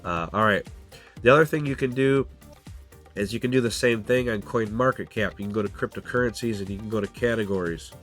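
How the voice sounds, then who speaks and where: A man's voice: lowish voice, brisk, a bit bright, faint music behind. A man hosting a casual crypto walkthrough, sounding stuffy and nasal from a cold, talking loosely with lots of fillers. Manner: casual, filler-laden, repeats "go ahead" and "guys". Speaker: crypto channel host. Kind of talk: screen-share walkthrough, casual explainer.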